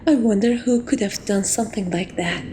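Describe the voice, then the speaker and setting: A woman's voice: mid-range voice, fairly quick, noisy background, natural voice. A woman voicing a playful, seductive, possessive catgirl jewel thief in a romantic ASMR roleplay, coy and theatrical in her affection. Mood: teasing, coy.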